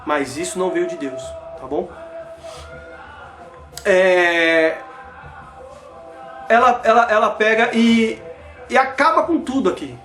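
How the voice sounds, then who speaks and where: A Brazilian man with a high voice gives heated religious commentary, firing off rhetorical questions and exclamations at his "brothers." He sounds like he is in an echoey room, with faint music underneath. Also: slow, pauses often, a bit bright. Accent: Brazilian Portuguese.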